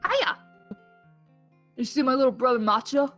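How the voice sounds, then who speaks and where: Woman putting on a peppy villager guy, bouncy and high, game music low in back. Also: expressive, normal speed, a bit bright. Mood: chirpy. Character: cheery male villager, sporty older brother.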